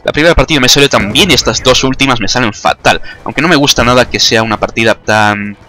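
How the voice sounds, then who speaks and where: With faint music behind him, a young man from Spain chats and jokes while gaming, making fun of his own skills. He talks fast at medium pitch with a sharp tone.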